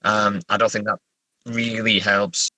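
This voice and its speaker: Male writer, middle-aged, lowish crisp bright voice, halting and self-effacing in casual interview. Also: level tone, dry recording, poor audio. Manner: hesitant, stammering, self-deprecating. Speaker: guest writer discussing own story.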